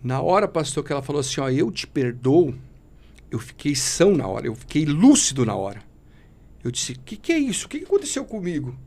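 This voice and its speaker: A man's voice: fairly high pitch, big pitch swings, brisk, vocal fry, a little mellow. A man giving an emotional personal testimony as a podcast guest, speaking fervently and in a preachy way, often calling the listener brother.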